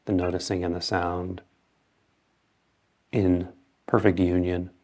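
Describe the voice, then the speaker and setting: Male meditation guide, low and steady with little pitch movement, calm short phrases and long pauses.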